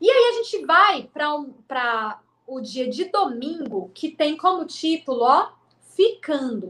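A woman at a high pitch, very slow, with long, frequent pauses, very wide pitch swings and big swings in loudness. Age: 30s. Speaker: church Bible study teacher. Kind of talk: Bible study lesson. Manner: conversational.

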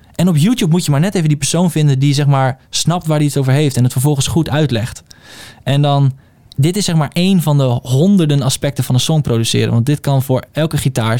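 Keeping a very even loudness, a man talks at a fairly quick pace in a dark, mellow tone. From Netherlands, Groningen. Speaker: musician and producer. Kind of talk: casual chat.

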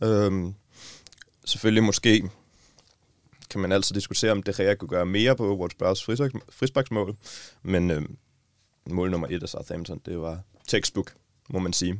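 A man speaks at a fairly low pitch and a fairly slow pace, with long, frequent pauses and ordinary pitch variation. The recording is very clean with a silent background and a dry, close sound with no echo. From Denmark, Copenhagen (Østerbro). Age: 20s. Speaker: football fan guest, waiter. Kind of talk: casual chat. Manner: hesitant, many fillers.

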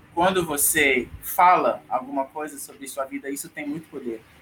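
A man's fairly high voice at a moderate pace over noticeable background noise. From Togo. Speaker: singer. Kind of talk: casual chat. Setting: studio.

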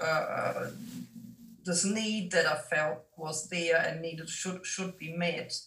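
A woman speaks very slowly in a fairly low pitch with monotone, flat intonation over noticeable background noise. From Germany. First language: German. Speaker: horse trainer and vet. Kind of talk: casual interview.

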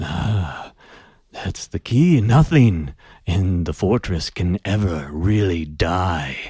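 Using a put-on character voice, a man speaks very slowly with a very deep, low pitch. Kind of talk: fantasy villain speech. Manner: grave, formal, proud.

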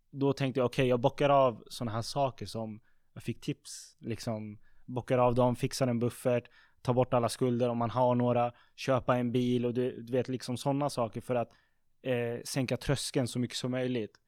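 Spoken at a moderate pace in a monotone, flat intonation, the voice comes through on a very clean recording with a silent background. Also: man, medium pitch for a man. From Sweden, Södertälje. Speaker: entrepreneur. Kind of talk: casual chat.

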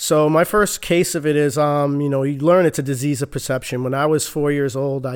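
A man with a slight Boston accent speaks at a moderate pace and fairly high pitch. His intonation is fairly even, and the recording is very clean with a silent background. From Boston, Massachusetts. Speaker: recovering alcoholic sharing story.

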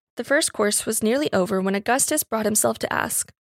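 The text is read aloud in a natural voice.

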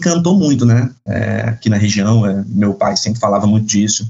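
Speaking in an unremarkable speaking voice, a man keeps a moderate pace and a medium pitch. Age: 20s. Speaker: Instagram page creator and car enthusiast. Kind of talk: casual interview.

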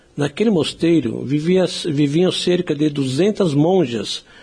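A man's dark, mellow voice with ordinary pitch variation. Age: 50s. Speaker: geography teacher and web radio owner. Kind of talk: reading aloud.

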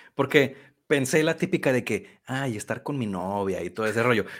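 On a very clean recording with a silent background, a man at medium pitch speaks with a Mexican accent at a moderate pace and with ordinary pitch variation. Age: 30s. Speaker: musician. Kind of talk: casual chat.

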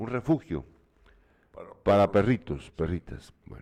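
Lively intonation colors a man's fairly low-pitched voice as he speaks at a fairly slow pace. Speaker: news talk show host. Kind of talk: news commentary show.

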